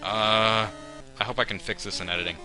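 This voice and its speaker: A man's voice: lowish voice, steady tone, a little fast, music in the background, poor audio. A man giving humorous commentary on a video game in a wry, sarcastic manner with exaggerated reactions. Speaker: let's play host.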